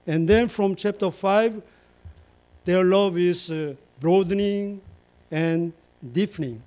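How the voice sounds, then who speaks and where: Slow, repetitive preaching man. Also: high voice, darkish tone. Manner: slow, repeats words and phrases for emphasis; fillers and restarts, lists in long chains. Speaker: pastor. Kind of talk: sermon.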